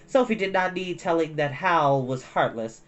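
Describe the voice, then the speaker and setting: Higher-voiced man narrating a storybook. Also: moderate pace, a bit bright. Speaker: storytime reader.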